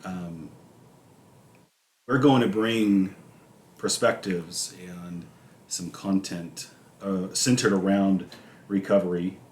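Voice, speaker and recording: A man co-hosting a recovery podcast, chatting casually and trailing off quietly between phrases. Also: low voice, fairly even intonation, slow, long pauses. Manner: trailing off quietly, many fillers. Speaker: podcast co-host. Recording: echoey room with faint noise.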